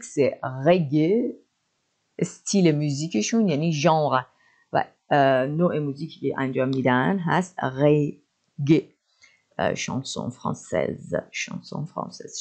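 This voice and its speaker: A woman teaching an online French lesson, saying phrases slowly in French and then explaining them quickly in Persian. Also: sits low, mellow.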